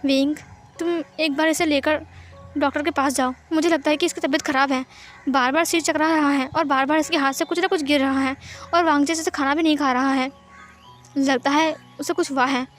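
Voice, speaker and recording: A woman's voice: high voice, steady tone, brisk, fairly bright tone, soft background music. A woman voicing a protective middle-aged mother who fusses and scolds. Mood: scolding. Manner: scolding, fussing.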